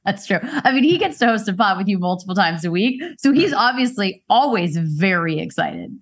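A woman's voice: medium pitch, animated, a little fast. A woman hosting a sports podcast, chatting casually and playfully with a guest, laughing and teasing often. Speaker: podcast host. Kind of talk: casual chat.

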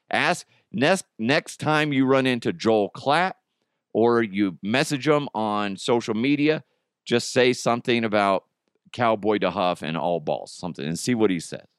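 A man's voice: lowish voice, clean tone, dry recording, clean studio sound. A man hosting a podcast in casual, rambling talk, his voice a little strained. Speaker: podcast and radio host.

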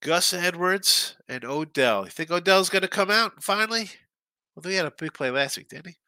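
A man with a stuffy, congested nose hosts a live sports betting stream, chatting loosely through viewer comments and picks. His voice is very bright and edgy, and the recording is dry and close with no room sound. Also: high-pitched, lively intonation, normal speed, no room sound. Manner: chatty and loose, with frequent restarts and asides. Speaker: sports betting show host.

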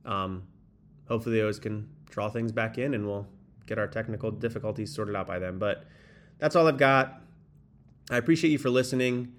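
A man's voice: fairly low pitch, a little fast. A man hosting a sports podcast solo, casually rambling as he thinks aloud, recorded on a makeshift mic in an echoey spot. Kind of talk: solo baseball commentary, casual. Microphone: makeshift mic, not the proper one. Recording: echoey room, improper microphone.

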